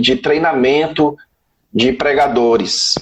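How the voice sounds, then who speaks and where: A man with a Ceará accent, fairly high in pitch, fairly slow, with ordinary pitch variation. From Ceará, northeastern Brazil. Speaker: pastor. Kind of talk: casual live chat. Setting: video call.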